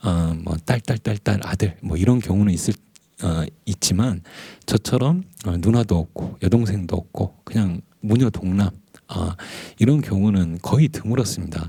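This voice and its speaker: A man's somewhat breathy voice has a dark, mellow tone and moves at a fairly slow pace. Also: fairly low pitch for a man, ordinary pitch variation. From South Korea, Jeolla (Jeongeup, North Jeolla). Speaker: novelist. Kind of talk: public lecture. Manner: hesitant, many fillers.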